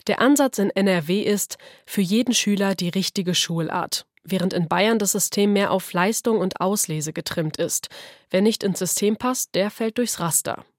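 A woman reporter from western Germany reading a scripted radio feature in an even way. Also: medium pitch, normal speed, dry recording, studio quality. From North Rhine-Westphalia, Germany. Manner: even, read-aloud delivery.

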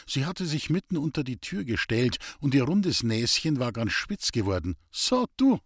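A man's voice: medium pitch, animated, moderate pace, slightly rough, dry recording. Man narrating a story, dry sound. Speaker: audiobook narrator. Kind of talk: scripted narration.

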